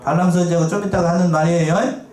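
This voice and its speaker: A man's voice: high voice, steady tone, fast talker, a little mellow. A man preaching a sermon as pastor, asking the congregation questions and reading scripture aloud. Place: church sanctuary. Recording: echoey church, mic at a distance.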